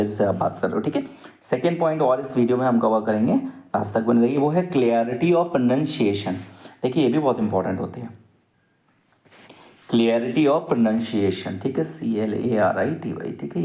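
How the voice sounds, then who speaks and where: A man's voice: mid-range voice, warm tone, reverberant. A male teacher giving an exam-prep lecture, explaining patiently with repeated examples and switching into English sentences. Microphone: microphone.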